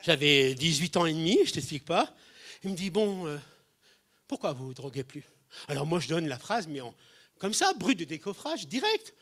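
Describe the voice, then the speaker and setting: Lively storytelling man preaching. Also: on the high side, normal speed. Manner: animated, acts out quoted voices, jumps in loudness. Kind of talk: humorous sermon storytelling.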